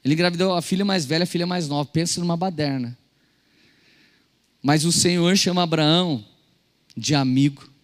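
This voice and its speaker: A young adult Brazilian man preaching a sermon as a pastor, telling stories and acting out quotes, shifting between loud and soft. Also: on the high side, moderate pace, long pauses. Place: church service hall. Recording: church hall reverb.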